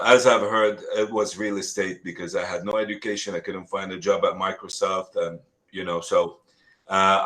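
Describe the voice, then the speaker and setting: A middle-aged man from Lebanon, a real estate agent telling his story in an earnest, halting way full of restarts. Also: lowish voice, fairly bright tone. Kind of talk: casual interview talk.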